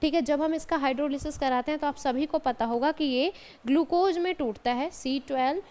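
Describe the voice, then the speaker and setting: A woman with a high voice teaches chemistry in a college classroom. She explains step by step, keeps checking that her students follow, and talks to them kindly, like a teacher to her own pupils. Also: brisk, darkish tone. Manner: explains step by step, often adds "ठीक है" and calls students "बेटा". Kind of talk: classroom lecture.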